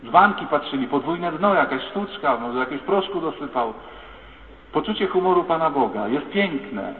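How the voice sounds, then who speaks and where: A man giving a lively sermon, telling stories and speaking straight to his listeners. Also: a little high, normal speed, a little hiss or hum. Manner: lively, acts out quoted voices, addresses listeners directly. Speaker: preacher. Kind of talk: sermon with storytelling. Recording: echoey hall, tinny phone-like sound.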